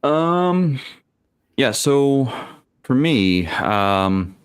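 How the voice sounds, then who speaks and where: A man in a casual panel discussion about tabletop gaming, speaking as a game master with a deliberate, dryly sarcastic manner. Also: mid-range voice, very animated, smooth, no room sound, clean studio sound.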